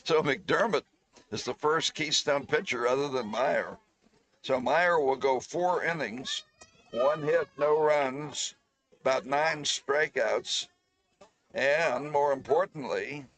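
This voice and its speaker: A man doing relaxed play-by-play commentary on a youth baseball game, trading jokes with his co-host. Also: mid-range voice, slow. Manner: relaxed, joking banter with co-host. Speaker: play-by-play announcer.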